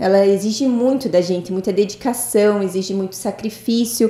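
A woman's normal speaking voice, medium in pitch, at a moderate pace. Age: 30s. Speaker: stay-at-home mother sharing faith story. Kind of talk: testimony.

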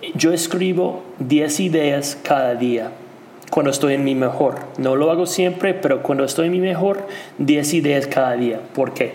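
With an English accent, a man talks at a very slow pace and fairly high pitch, his pitch varying in an ordinary way. Room echo is audible and background noise is noticeable. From USA. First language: English (speaking Spanish). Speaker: personal branding consultant. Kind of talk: interview. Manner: halting, repeats words.

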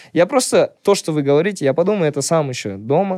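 A man speaks at a fairly quick pace in a dark, mellow tone. The sound is dry and close with no echo, in a very clean recording with a silent background. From Kazakhstan, Pavlodar. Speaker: musician, group member. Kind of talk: casual chat.

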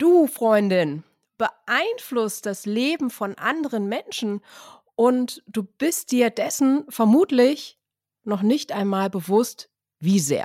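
A woman talks at a very slow pace with very wide pitch swings, captured on a very clean recording with a silent background. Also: fairly high pitch for a woman, dry, close sound with no echo. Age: 40s. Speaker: podcast host, coach. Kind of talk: motivational monologue. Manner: animated.

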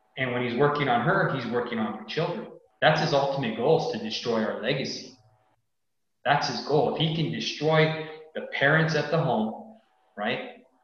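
With audible room echo around him, a man speaks at a moderate pace, his fairly high pitch carrying lively intonation. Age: 40s. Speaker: power lineman and fathers' ministry leader. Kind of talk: casual interview. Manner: repetitive, halting.

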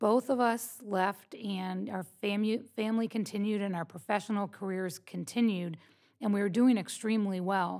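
The recording is very clean, with a silent background. A woman with a plain, everyday voice speaks at medium pitch and a moderate pace, using ordinary pitch variation. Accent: American. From mixed: US and Saudi Arabia, boarding school in Europe. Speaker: university president. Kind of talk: interview.

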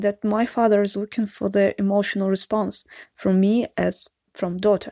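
A woman with a Russian accent speaks at a moderate pace in a fairly high, dark and mellow voice, her intonation fairly even and the sound dry and close with no echo. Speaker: listener leaving voicemail. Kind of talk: recorded voicemail.

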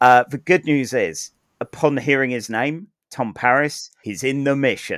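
A man with a plain, everyday voice, fairly high-pitched and at a fairly slow pace, in a very clean recording with a silent background and a dry, close sound with no echo. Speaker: podcast host. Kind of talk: casual chat.

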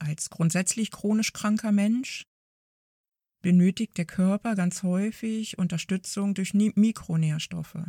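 In a very clean recording with a silent background and a dry, close sound with no echo, a woman of medium pitch speaks at a fairly slow pace, somewhat breathy, with a dark, mellow tone and fairly even intonation. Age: 50s. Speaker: podcast host. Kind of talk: personal monologue. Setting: alone at home mic. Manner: unscripted, with fillers.

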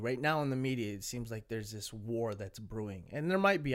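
In a very clean recording with a silent background, a man with an American accent has an ordinary speaking voice, a medium pitch and ordinary pitch variation. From United States. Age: 20s. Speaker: podcast host. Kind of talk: casual chat.

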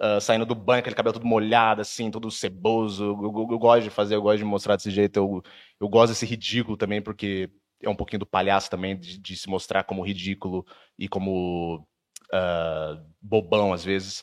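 A man's fairly low-pitched voice at a fairly quick pace, with fairly even intonation, big swings in loudness, and a quiet background. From interior of São Paulo state, Brazil (Votuporanga). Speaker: actor and content creator. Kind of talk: casual interview chat. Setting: studio in an office.

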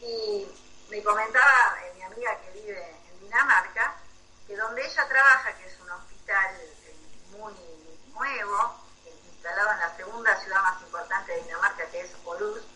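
A woman speaks at a fairly high pitch and moderate pace, with ordinary pitch variation and big swings in loudness. Long, frequent pauses break her speech over noticeable background noise. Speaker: radio co-host. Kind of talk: casual chat.

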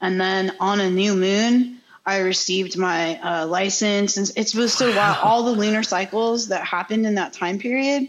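A woman speaks at a moderate pace with hardly any pauses, in an unremarkable speaking voice of medium pitch. Her pitch variation is ordinary and her loudness very even. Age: 50s. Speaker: spiritual practitioner and harm reduction founder. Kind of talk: casual interview. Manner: casual with many fillers.

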